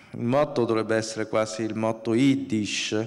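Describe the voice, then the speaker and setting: A man talks with fairly even intonation at a medium pitch. His is an ordinary speaking voice, set against a quiet background. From Marche, central Italy. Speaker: university professor. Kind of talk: conference panel discussion. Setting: stage with audience. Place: stage.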